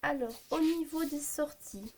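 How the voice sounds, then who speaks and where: A woman in her thirties with a Belgian French accent, hoarse from a cold, chatting to camera about her family budget with many hesitant fillers. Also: sits high, measured pace, slight background noise. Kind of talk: casual talk to camera. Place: home at a desk, morning.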